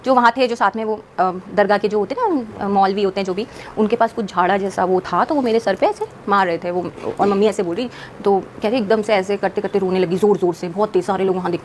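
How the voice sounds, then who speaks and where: A woman speaking quickly as a podcast guest, recounting a personal story in an earnest, rambling manner and mixing English words into her sentences. A faint hum of room ambience sits behind her voice. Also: medium pitch. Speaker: guest, singer.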